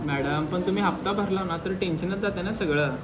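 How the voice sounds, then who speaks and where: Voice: mid-range voice, brisk. A person, chatting casually as a vlogger and persistently playing a mock-earnest caller in a phone prank. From Solapur, Maharashtra, India. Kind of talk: casual vlog chat and prank phone call. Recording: clearly noisy ambient recording.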